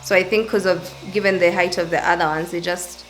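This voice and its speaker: A young woman vlogging casually at home, rambling and thinking out loud as she talks. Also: on the low side, fairly even intonation, a little fast, faint music behind, poor audio. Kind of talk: casual vlog chat. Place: at home, indoors.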